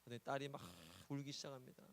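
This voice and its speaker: A man's voice: mid-range voice, flat delivery, fast. A male pastor preaching a sermon, telling a story and repeating key words for emphasis, often checking in with the congregation. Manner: prompts the congregation with "예?".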